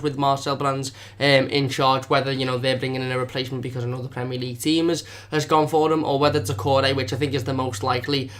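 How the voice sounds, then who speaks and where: Hosting a relaxed fan-channel live stream, a young man rambles quickly, filling his speech with fillers. His voice is mid-range and fairly bright, and he seems a bit unwell.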